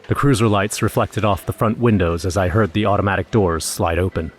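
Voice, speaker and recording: A man's voice: low voice, lightly acted. An actor playing an anxious young man who narrates his own horror story in a scripted audio drama. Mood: dread. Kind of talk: first-person scripted horror narration with acted dialogue.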